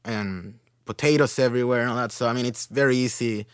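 A man's voice: medium pitch, fast talker, clean tone, no room sound, studio quality. A man from Chile talking casually as a podcast guest, rambling with lots of fillers.

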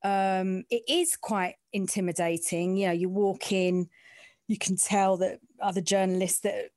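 A woman's voice: mid-range voice, fairly even intonation, a little slow, a little mellow, no echo, clean studio sound. A woman from London's East End with an East London, Essex-like twang, talking frankly and informally in an interview as a sports reporter. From East End of London, England. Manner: informal, frank, working-class way of speaking. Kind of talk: candid conversational interview.

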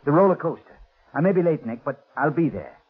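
A man playing an anxious, hurried former prison guard in 1940s radio drama style. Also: a little high, expressive, slightly rough. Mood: urgent, anxious. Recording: muffled, phone-like 1940s radio recording.

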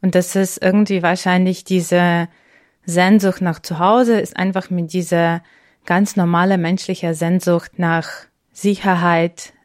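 A woman's voice: lowish voice, little pitch movement, a little slow, dry recording, studio quality. A woman from Lviv in Ukraine, co-hosting a podcast, speaking thoughtfully and sometimes searching for words. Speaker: podcast co-host. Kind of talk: casual conversation.

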